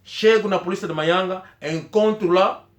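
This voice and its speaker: Angolan man, rambling storyteller, roomy sound. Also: high-pitched. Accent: Angolan Portuguese. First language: Kikongo. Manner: rambling, halting, with frequent restarts. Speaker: vlogger. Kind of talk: personal storytelling to camera.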